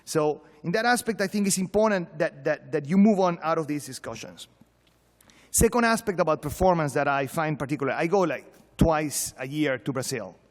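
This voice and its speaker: Higher-voiced Venezuelan man in an echoey hall. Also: lively intonation, moderate pace. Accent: Venezuelan Spanish. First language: Spanish. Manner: emphatic, repeats words, rhetorical questions. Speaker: professor, conference panelist. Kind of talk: informal conference speech, humorous and exhortatory. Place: large conference hall. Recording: echoey hall, long reverb.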